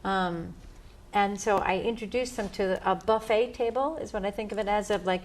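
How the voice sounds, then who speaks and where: A woman's voice: mid-range voice, moderate pace. A woman with an American accent, a musician and teacher, talking casually as an interview guest. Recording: clear background ambient noise.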